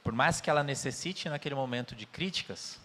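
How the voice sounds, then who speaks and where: A man with a Brazilian Portuguese accent speaks earnestly in a conversational spiritist lecture. His voice sits in a middle pitch and carries a long reverb from the hall around him. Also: fairly quick, pushed and bright. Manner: earnest, tells anecdotes with quoted dialogue.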